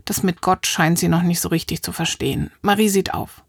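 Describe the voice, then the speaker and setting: A woman narrating a children's audiobook with a lively, expressive reading. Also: lowish voice, fairly quick, vocal fry, slightly rough, no echo, studio quality. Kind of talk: scripted storybook narration.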